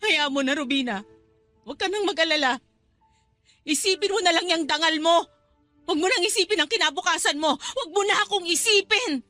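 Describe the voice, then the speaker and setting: Shrill, manipulative weary mother. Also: a little fast, sharp tone, no room sound. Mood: bitter, guilt-tripping. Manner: guilt-tripping, emotional. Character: weary, pleading, manipulative mother pushing her daughter. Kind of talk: Tagalog radio drama acting. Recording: background music under dialogue.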